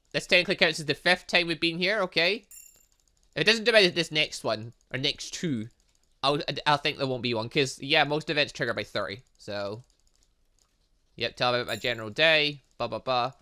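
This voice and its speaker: A man's voice: a little high, moderate pace, sharp tone. A young man giving casual let's play commentary on a visual novel, rambling and thinking aloud with muttered filler sounds. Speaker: gaming channel host.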